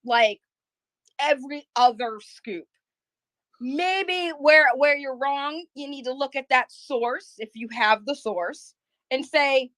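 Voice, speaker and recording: A woman's voice: sits high, takes it slowly, a bit bright, no room sound. A woman who makes drama videos on YouTube, talking bluntly and heatedly in a casual online chat, swearing freely and restarting her sentences.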